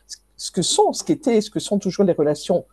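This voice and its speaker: A woman's voice: lowish voice, sing-song, fairly quick, warm tone, breathy edge. A woman interviewer asking long, winding questions with restarts.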